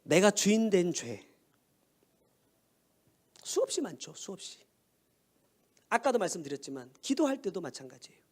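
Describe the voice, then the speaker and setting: A man preaching a sermon in a casual, conversational tone. His voice sits high and swings widely, rising and falling as he throws out rhetorical questions and answers them himself. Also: big pitch swings, normal speed, long pauses, a little mellow. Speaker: pastor.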